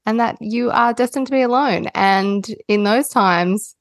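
A woman's voice: fairly high pitch, a little slow, no echo. Frank woman podcast co-host, dry sound. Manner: frank, opinionated, wry. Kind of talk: casual chat.

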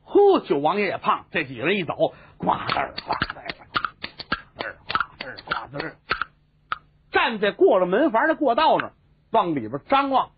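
A man telling a comic story, animated and voicing many characters. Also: sits high, normal speed, noisy background. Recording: tinny phone-like sound.

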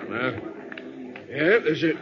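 An eager, plain-talking cop in a vintage radio crime show. His voice sits fairly high, his talk is folksy, and the old recording is dull with clear noise. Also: expressive, slow pace. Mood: puzzled, eager. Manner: folksy, colloquial, repeats himself. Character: plain-spoken, eager male police sergeant. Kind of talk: 1940s radio crime drama acting.

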